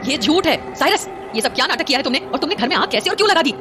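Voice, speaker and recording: Wronged nanny: emotional, protesting, fast and very animated, audio drama with music behind. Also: female voice, high voice. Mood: indignant. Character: indignant, desperate nanny wrongly accused, a young mother. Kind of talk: Hindi horror audio drama acting.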